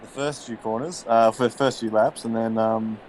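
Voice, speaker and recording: A man's voice: lowish voice, steady tone, moderate pace, darkish tone, slight background noise. A man recapping his race in a rambling, self-deprecating way, often laughing. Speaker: racing driver being interviewed. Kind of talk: casual post-race recap.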